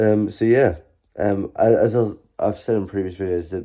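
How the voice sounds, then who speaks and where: Against a quiet background, a man mumbles in a dark, mellow tone with ordinary pitch variation. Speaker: vlogger sharing health experience. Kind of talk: personal video diary. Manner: mumbling; halting, many fillers.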